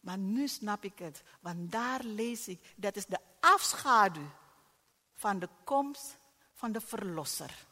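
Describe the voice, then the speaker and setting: A middle-aged woman preaches with animated swings between hushed and loud. Her voice carries a long hall reverb, and her pacing is slow and unhurried. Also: mid-range voice. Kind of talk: sermon. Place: church hall.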